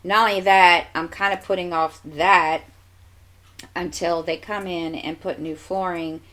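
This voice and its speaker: Woman, low voice, stuffy nose, relaxed rambling crafting vlogger. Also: a little slow. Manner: chatty, meandering, many fillers and restarts. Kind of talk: casual rambling chat.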